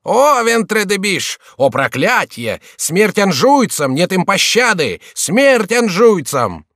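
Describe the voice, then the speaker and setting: A man voicing a shrill, sneering male court jester in a storybook reading. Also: lively intonation, normal speed, a bit bright, no echo, studio quality. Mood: yelling wildly.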